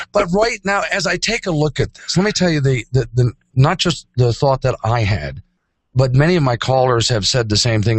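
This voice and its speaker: A man's medium-pitched, somewhat breathy voice at a fairly quick pace, with very wide pitch swings. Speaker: radio talk show host. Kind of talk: talk radio with caller.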